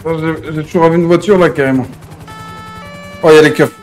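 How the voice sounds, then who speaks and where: A man's voice: fairly high pitch, steady tone, fast talker, darkish tone, soft background music. A man streaming an online roleplay game, talking in casual, slangy improvised chat with frequent swearing and repeated pet phrases. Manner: repeats verbal tics, swears freely.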